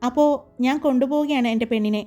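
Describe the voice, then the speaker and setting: A woman's voice: high-pitched, fast talker, mellow, faint music behind, natural voice. A woman reading the lines of a playful, confident young groom in a storybook narration. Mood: teasing.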